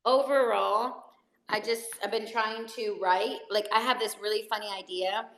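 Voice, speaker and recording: A woman's voice: mid-range voice, steady tone, normal speed, fairly bright tone, echoey room, low-quality recording. A woman from El Salvador, an actress, chatting casually and rambling with many fillers and restarts. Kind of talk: casual video chat.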